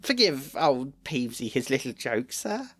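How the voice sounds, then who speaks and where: A man voicing a mischievous male poltergeist in a high, wheedling, greasy voice. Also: very animated, normal speed, fairly bright tone, dry recording.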